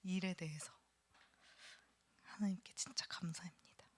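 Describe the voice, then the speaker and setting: A woman's voice: fairly low pitch, normal speed. A middle-aged woman lecturing in a church classroom, asking the class questions and sometimes dropping to a whisper. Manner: animated, asks the class questions, drops to a whisper at times. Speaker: seminary lecturer.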